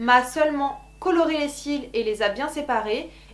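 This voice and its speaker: High-pitched female speech with ordinary variation in pitch, plus noticeable background noise and audible echo from the room. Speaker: beauty youtuber. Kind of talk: product review.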